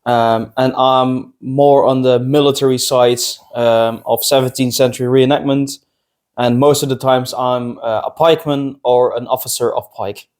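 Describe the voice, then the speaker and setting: A man from Belgium whose first language is Dutch, co-hosting a casual podcast chat in an unhurried way. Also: medium pitch, fairly even intonation, a little mellow. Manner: slow and unhurried, laughs often. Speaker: podcast co-host.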